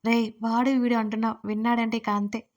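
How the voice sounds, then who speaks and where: A woman's voice: fairly high pitch, little pitch movement, a little fast, a little mellow, natural voice. An anxious, cautious young man from an audio story, read by a woman narrator. He speaks in worried warnings.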